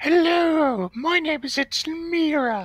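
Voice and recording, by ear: This is a put-on character voice. It is high-pitched and squeaky.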